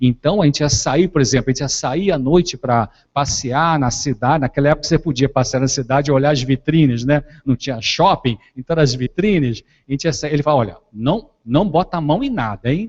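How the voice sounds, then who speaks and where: Speaking in an ordinary speaking voice, a man with a fairly high pitch talks at a fairly quick pace with ordinary pitch variation. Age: 60s. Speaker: psychiatrist and lecturer. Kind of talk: lecture. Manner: conversational, informal.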